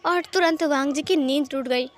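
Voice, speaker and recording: A woman's voice: high voice, fairly even intonation, moderate pace, fairly bright tone. A woman casually narrating a fan-fiction story. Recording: faint background music.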